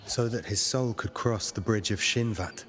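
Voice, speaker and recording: An actor playing an earnest, curious warrior in a fantasy video game, questioning and dryly skeptical. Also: male voice, on the low side, normal speed, fairly bright tone, close to an everyday voice. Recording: long reverb, faint music behind.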